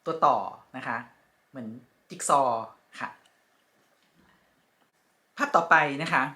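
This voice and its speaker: A woman teaching French vocabulary from picture cards, speaking slowly and politely and repeating each word with care. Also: extremely low pitch. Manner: polite, ending phrases with soft particles. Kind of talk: casual lesson with picture cards.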